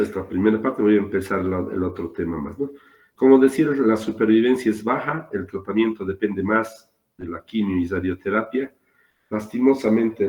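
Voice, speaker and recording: A man giving an online surgery lecture with a sore throat, coughing and explaining slowly with pauses over a video call. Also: low voice. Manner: slow, repetitive explaining with pauses. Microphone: computer mic on a video call. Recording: roomy video call audio.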